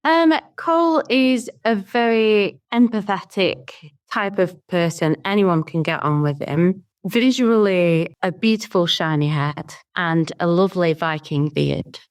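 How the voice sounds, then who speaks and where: Female podcast guest, slightly low, clean smooth tone, relaxed interview chat. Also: unhurried.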